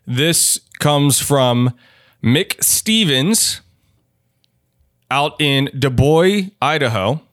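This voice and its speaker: A man co-hosting a comedy podcast, reading listener emails in a deadpan way with halting restarts. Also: a little high, no room sound, studio quality. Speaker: podcast co-host. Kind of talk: casual comedic podcast banter.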